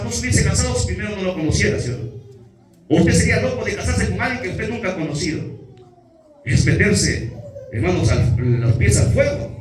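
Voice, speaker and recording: A man preaching a sermon at a convention, impassioned, swinging from shouts down to near whispers. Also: high voice. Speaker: evangelist preacher. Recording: echoey hall, mic from a distance.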